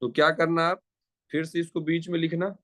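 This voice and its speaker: Higher-pitched male chemistry teacher. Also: level tone, fairly quick, a bit bright, no room sound. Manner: repeats phrases and asks rhetorical questions; talks students through the steps directly. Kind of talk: classroom lecture.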